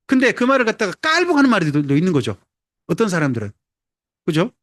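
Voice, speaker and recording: A pastor preaches in a high, animated voice, keeping his sermon chatty and humorous. He keeps putting questions to the congregation. The recording is dry and close, with little room sound. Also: fast talker, no echo. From Jeolla, South Korea.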